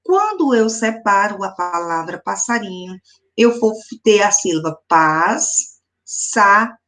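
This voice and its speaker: Slow patient woman teacher. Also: medium pitch, expressive. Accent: Brazilian Portuguese. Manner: slow, patient, spells out syllables for young children. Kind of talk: recorded classroom video lesson.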